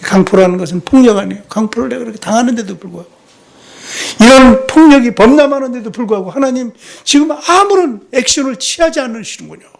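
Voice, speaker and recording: A missionary preaches a sermon in a church sanctuary, repeatedly asking the congregation rhetorical questions and dropping in short "yes" interjections. His voice is very high-pitched, expressive, and creaky at a quick pace, with a little hiss or hum.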